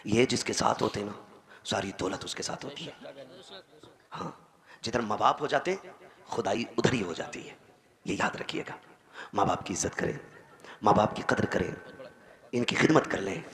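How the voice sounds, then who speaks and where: A man's voice: lowish voice, lively intonation, normal speed, vocal fry, pauses often, fairly bright tone. A male preacher pleading with and scolding the young men in his audience, speaking to them directly. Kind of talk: admonishing sermon to the audience. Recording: echoey hall.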